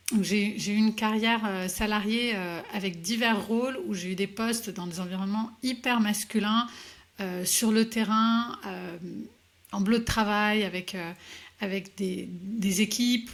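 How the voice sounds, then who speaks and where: Woman interview guest, mid pitch, halting, reflective, story of her work. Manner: hesitant, many fillers and restarts, reflective storytelling. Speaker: executive coach, podcast guest. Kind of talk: conversational interview answers.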